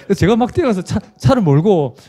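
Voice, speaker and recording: Mellow-voiced, animated preacher. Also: male voice, sits high, fast. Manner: animated storyteller, acts out scenes, frequent restarts. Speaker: pastor. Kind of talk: sermon with storytelling.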